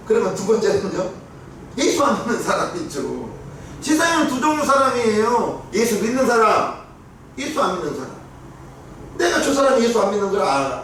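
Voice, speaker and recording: High-voiced preacher in a booming church. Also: male voice, fairly bright tone. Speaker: pastor. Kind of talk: sermon. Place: church sanctuary. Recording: very echoey church room, heard from a distance, faint hiss.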